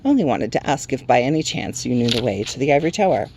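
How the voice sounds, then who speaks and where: A man's voice: medium pitch, very animated, fast, darkish tone, slight background noise, voice pushed up, poor audio. A man voicing a timid, easily embarrassed little will-o'-the-wisp spirit with a nervous, hesitant manner.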